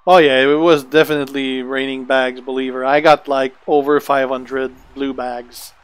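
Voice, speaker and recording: A French man with a native French accent chats casually with viewers on a gaming stream, relaxed and chuckling a lot. His mid-range voice is clear and resonant at a moderate pace, with no echo.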